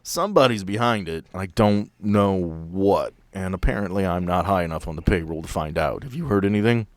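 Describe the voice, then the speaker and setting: A man's voice: deep voice, fairly quick, dry recording, natural voice. A man playing a grumbling field agent in a tabletop game, chatting casually at a bar.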